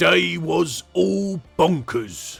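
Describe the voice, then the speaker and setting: A put-on character voice with very wide pitch swings plays over faint music in the background. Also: man, medium pitch for a man. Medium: solo performance. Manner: earnest, literal.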